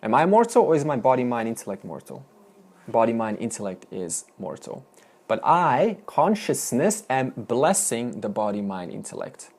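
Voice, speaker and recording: Lively male Vedanta teacher lecturing. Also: mid-range voice, normal speed. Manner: questioning, explains step by step, asks the class. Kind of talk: classroom lecture.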